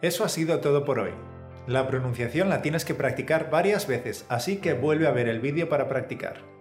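A man's voice: mid-range voice, normal speed. A man co-hosting a scripted language lesson, encouraging the viewer in an upbeat, coach-like way. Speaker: Spanish teacher, co-host. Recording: roomy sound with faint music.

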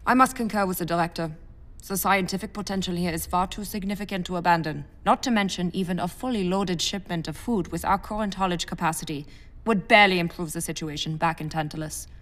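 A woman acting a science vessel captain in a sci-fi audio drama. Her voice is on the low side, cerebral, formal and precise. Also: quick pace, a bit bright, lightly acted. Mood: measured, firm. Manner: precise, clinical.

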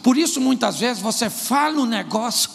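A man preaching a sermon as pastor, animated, acting out scenes between couples. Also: very high voice, normal speed, gravelly. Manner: animated preaching, acts out quarrels in put-on voices. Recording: echoey hall with faint noise.

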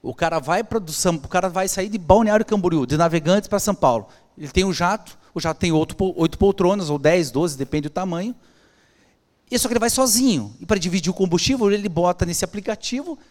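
A man with a Brazilian Portuguese accent telling a personal story as a podcast guest, acting out the dialogue in an animated way. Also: high-pitched. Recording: long hall reverb.

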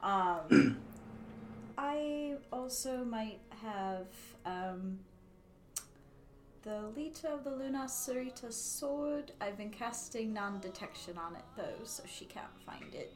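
A woman's voice: on the high side, lively intonation, takes it slowly. A woman player chatting casually during a tabletop game, hesitant with many ums and frequent laughs.

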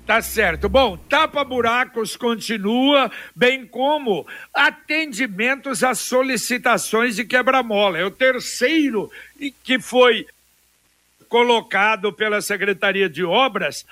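A man's voice: extremely high pitch, takes it slowly, sharp tone, no room sound. A man presenting weather and local news informally on radio, with conversational asides.

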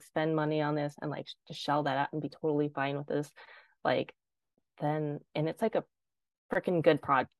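Low, gravelly-voiced woman chatting. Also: dry recording, highs cut off. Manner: chatty, heavy use of "like". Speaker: guest designer. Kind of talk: casual interview chat.

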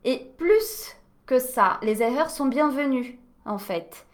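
A woman tutor in casual conversation, reassuring and encouraging, loose and relaxed in her phrasing. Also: sits high, slow.

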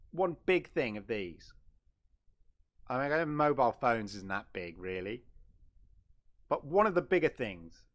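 A man's voice: mid-range voice, a bit bright. Chatty man rambling on stream. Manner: rambling, chatty, self-correcting. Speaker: gaming channel host. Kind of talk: casual livestream chat.

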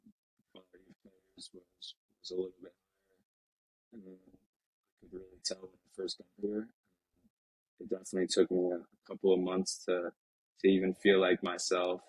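A man in his twenties, a professional soccer player, talking reflectively in an interview with many halting restarts. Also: low-pitched, monotone, darkish tone, husky, no room sound, poor audio. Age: 20s. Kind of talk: casual interview talk. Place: Lisbon.

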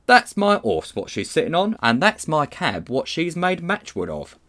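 A man voicing a working-class cab driver, gruff but kindly, talking in an earnest, colloquial way in a storybook reading. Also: a little high, huge pitch swings, moderate pace, a bit bright, voice pushed up. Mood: urgent protest.

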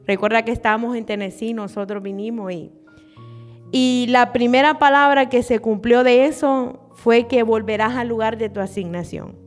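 A woman's voice: fairly high pitch, fairly even intonation, moderate pace, soft background music. Nervous young Honduran woman preaching. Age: 20s. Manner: earnest, a little nervous, frequent "¿verdad?". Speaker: church speaker. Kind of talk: sermon and prayer. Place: church.

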